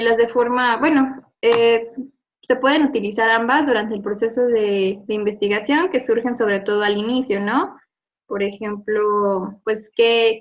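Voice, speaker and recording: A woman teacher, patiently going over a lesson with a student, explaining with examples and checking in with short questions. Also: fairly high pitch. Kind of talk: remote review lesson. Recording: dull lo-fi audio.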